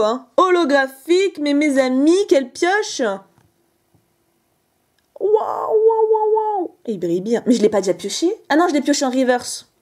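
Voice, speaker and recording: A young woman hosting a casual, excited card-opening video, chatty and jokey. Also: fairly high pitch. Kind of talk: excited casual unboxing commentary.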